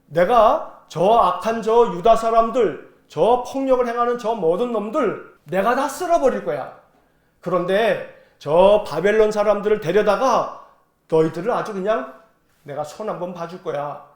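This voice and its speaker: A man's voice: sits high, unhurried, echoey room. A man voicing God, who answers a prophet with a stern, blunt promise to sweep away the wicked. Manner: blunt, threatening promise of punishment.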